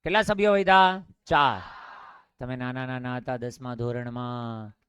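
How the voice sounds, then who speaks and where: A man's voice: medium pitch, fairly even intonation, measured pace, a bit bright, clean tone, no echo. Gujarati man drilling a physics class. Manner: drilling, repeats each question and answers it himself. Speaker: physics teacher. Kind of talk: classroom lecture with call-and-response questions.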